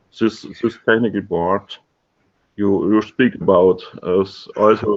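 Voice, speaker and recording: In a German accent, a man speaks with a fairly low pitch and fairly even intonation. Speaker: caller, parent. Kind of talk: question from audience caller. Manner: halting, hesitant.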